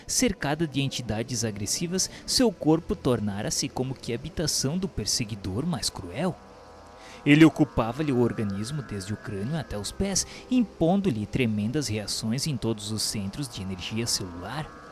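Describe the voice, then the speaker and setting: A man's voice: medium pitch, lively intonation, normal speed, natural voice. A man narrating a radio drama from a script in a formal, solemn, literary manner. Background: music.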